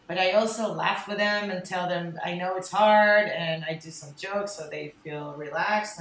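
Candid, animated woman guest in a roomy space. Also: fairly low pitch, a little hiss or hum. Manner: candid and animated, swears freely, many fillers. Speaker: wedding photographer and filmmaker guest. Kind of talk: casual podcast chat.

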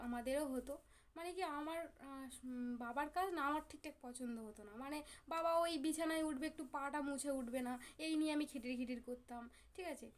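Brief: high-pitched woman from Bengal, personal vlog, halting and emotional, chatting straight to viewers. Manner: talks of grief and family squabbles, halting with fillers. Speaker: vlogger. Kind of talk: casual chat to viewers.

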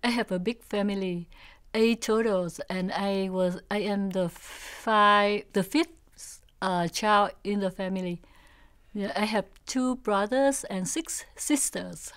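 A woman in her sixties with a Vietnamese accent tells her family story in an interview. She speaks slowly and haltingly, searching for her English words. Her voice is smooth and clear, at a middling pitch. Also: steady tone. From South Vietnam. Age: 60s. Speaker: oral history interviewee. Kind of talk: recalling family history in an interview. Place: indoor studio with backdrop.

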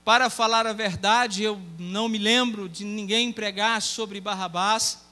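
A Brazilian evangelist preaches in a long-reverb church hall, his voice high and bright. He tells a story to the congregation and voices its characters as he goes. A mains hum runs under the recording. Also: fairly even intonation, measured pace. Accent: Brazilian Portuguese. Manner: storytelling, voicing dialogue within the tale. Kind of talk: sermon. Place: church sanctuary.

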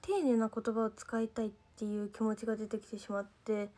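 A woman's voice: mid-range voice, level tone, a little fast, mellow. A young woman from Gifu, speaking mostly standard Japanese with a light Gifu dialect, chatting loosely with fans on a livestream and reading their comments, often losing her thread. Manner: chatty and rambling, loses her thread, fills with "nanka". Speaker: idol trainee livestreaming to fans. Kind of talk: casual livestream chat reading viewer comments.

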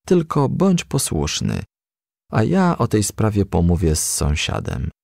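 A man reads as a motherly storybook woman who counsels frankly and kindly. The voice swings widely in pitch, with a creaky edge, as it coaxes and gently scolds. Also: wildly swooping pitch, a little slow, no echo, clean studio sound, full character voice. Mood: consoling, admonishing. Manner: gently admonishing, coaxing. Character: kind, frank, motherly female advisor to a young firefly.

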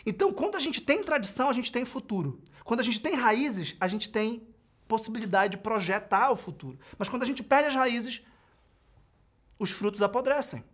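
Emphatic Brazilian man lecturing, high-pitched for a man. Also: expressive, normal speed, a bit bright, husky. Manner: emphatic, builds points in repeated lists. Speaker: professor giving an open class. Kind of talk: lecture to camera. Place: wood-panelled study with bookshelves, seated at desk.

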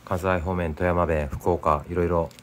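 A man's voice: low-pitched, little pitch movement, unhurried, slight background noise. A middle-aged man with a Nagasaki accent, chatting easily at home as he eats and drinks, and stopping to explain local words. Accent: Nagasaki dialect. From Nagasaki, Japan. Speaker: home food vlogger. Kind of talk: casual chat while eating and drinking.

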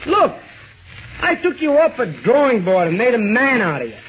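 Man as excitable male boss, indignant, swooping high voice, 1940s radio comedy. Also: moderate pace, heavily acted. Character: blustering, easily flustered male publisher boss. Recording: muffled, slightly noisy 1940s recording.

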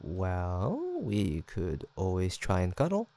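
A young voice actor, using a full character voice, acts out a teasing, affectionate, easygoing student roommate in a casual, intimate roleplay audio drama with hesitant banter. The mood is gentle and shyly caring. His voice sits low and warm, taken slowly with huge pitch swings.

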